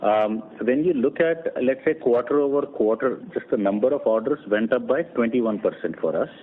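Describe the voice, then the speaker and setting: A male company executive answering questions on an earnings call, speaking off the cuff and rephrasing haltingly as he explains. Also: medium pitch, animated. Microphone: conference phone call. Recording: narrow phone line with clear noise.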